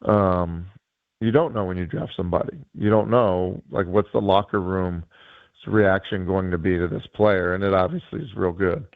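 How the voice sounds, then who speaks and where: Hoarse man on a tinny phone line. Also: deep voice, steady tone, moderate pace, no room sound. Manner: rambling, many fillers and restarts. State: hoarse, losing his voice. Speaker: guest analyst and high school coach. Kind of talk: casual sports radio chat.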